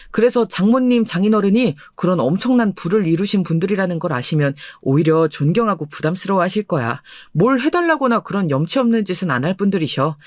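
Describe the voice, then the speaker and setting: Humble gushing young husband being voiced, story drama, medium pitch, dry sound. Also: dry recording, lightly acted. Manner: eager, earnest, gushing. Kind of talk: storybook radio drama reading.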